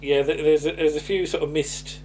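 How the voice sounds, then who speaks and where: A man's voice: on the high side, steady tone, a little fast, a little mellow, a little hiss or hum, low-quality recording. A man chatting casually as a co-host recapping a comedy, hesitant and meandering, often repeating words and tailing off. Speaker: podcast co-host.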